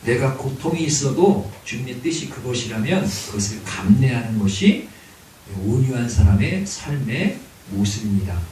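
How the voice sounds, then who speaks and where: A man's voice: fairly high pitch, a little mellow. A male pastor preaching a sermon, emphatic, with exclamations and rhetorical questions. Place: church sanctuary. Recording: very echoey church hall, distant mic, hiss.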